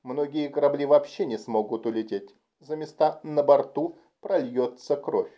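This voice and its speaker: A man narrating a science fiction audiobook in a calm, even storytelling manner. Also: on the high side, moderate pace. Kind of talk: amateur audiobook reading. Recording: dull home recording.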